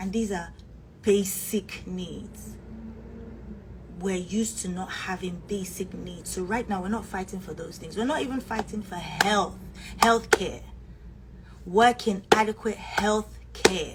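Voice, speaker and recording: Fairly slow delivery with long, frequent pauses over noticeable background noise. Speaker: vlogger. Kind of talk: impassioned monologue. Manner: halting.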